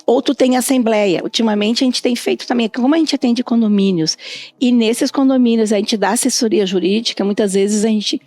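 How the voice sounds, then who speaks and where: A woman's voice: on the high side, brisk, a little mellow, dry recording. A middle-aged or older woman chatting as a podcast guest, telling stories and acting out quoted exchanges. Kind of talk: casual conversational interview, anecdotes.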